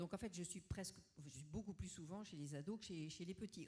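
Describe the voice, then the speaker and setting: Speaking at a fairly quick pace, a woman has a medium-pitched, somewhat breathy voice with a dark, mellow tone. Her pitch varies in an ordinary way. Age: 60s. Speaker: children's and youth author. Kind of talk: conference panel discussion.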